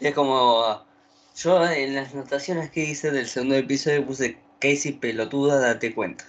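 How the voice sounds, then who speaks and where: The man speaks with a Rioplatense accent. His voice sits fairly high and his intonation stays fairly even. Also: moderate pace. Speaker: podcast co-host. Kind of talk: casual chat.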